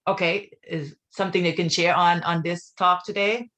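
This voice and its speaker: A woman's voice: fairly low pitch, steady tone, moderate pace, crowd noise. A woman hosting a casual interview, enthusiastic and full of wonder, filling her speech with "you know". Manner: frequent "you know" fillers. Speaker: interview host.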